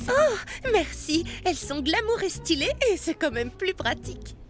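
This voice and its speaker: Very high, perky cartoon girl. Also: sing-song, moderate pace. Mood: cheerful. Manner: gushing, coaxing. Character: glamour-loving, affectionate, perky cartoon girl. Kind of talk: French-dubbed children's cartoon acting. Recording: music behind the voice.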